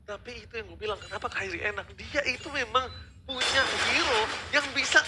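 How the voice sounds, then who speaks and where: High-pitched, rapid-fire male esports caster. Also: loud music behind the voice. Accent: Indonesian. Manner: dramatic, emphatic, asks and answers own questions. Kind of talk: excited esports play-by-play commentary.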